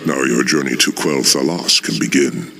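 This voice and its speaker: An actor playing a scheming male dreadlord demon in a game cutscene, speaking in a slow, measured, menacing way. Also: a bass voice, creaky, music in the background. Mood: sinister. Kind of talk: video game cutscene acting. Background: orchestral score.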